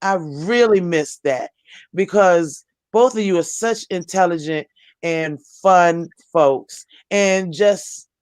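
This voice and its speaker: A woman's voice: fairly low pitch, slow pace, darkish tone, smooth, no echo. Earnest American woman, close dry sound. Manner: earnest, conciliatory. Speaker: host of a live panel chat. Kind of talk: casual chat.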